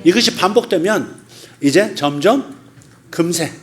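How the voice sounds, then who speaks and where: Animated middle-aged Korean pastor preaching. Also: male voice, unhurried, a little hiss or hum. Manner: animated, acts out quoted voices with sudden loud high bursts; colloquial, laughs often. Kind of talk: sermon.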